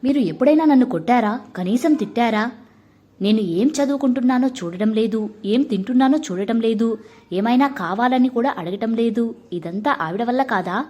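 A woman with a husky voice voicing a grieving young schoolgirl in a storybook reading. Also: on the high side, moderate pace, darkish tone, muffled recording, lightly acted. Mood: tearful. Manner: tearful pleading. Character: young schoolgirl grieving her dead mother.

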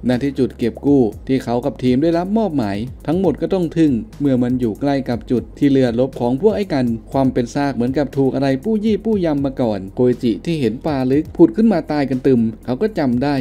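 Male film-recap narrator, rapid delivery, deep mellow tone, casual slangy voice-over. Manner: chatty, slangy, polite particles.

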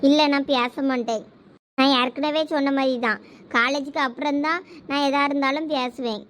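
A very high, shrill young college girl in a cartoon, voiced by a woman. She is anxious but stubborn, insisting and pleading in turn. Her voice sits far above ordinary speech. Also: fairly even intonation, normal speed, fairly bright tone, a little hiss or hum. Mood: firm.

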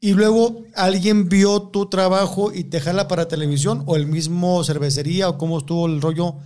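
A man's voice: high-pitched, fairly even intonation, normal speed, darkish tone. A man from Mexico hosting a casual interview, giving short replies and asking questions. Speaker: podcast host.

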